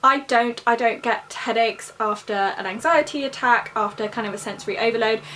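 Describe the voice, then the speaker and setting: A woman's fairly high voice at a fairly quick pace with hardly any pauses and fairly even intonation, over noticeable background noise. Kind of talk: casual Q&A vlog. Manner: loud; hesitant with many fillers.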